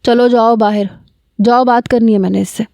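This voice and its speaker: A blunt, curt young woman who does not mince words, read by a woman storyteller. The voice is very dark and mellow, recorded dry. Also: on the high side, steady tone, gravelly, no echo. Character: blunt young woman demanding her money.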